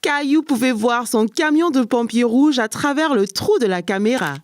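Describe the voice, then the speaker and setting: A woman narrating a children's cartoon in a calm, even storytelling manner. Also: fairly high pitch, normal speed, no echo, clean studio sound. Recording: narration over soft music.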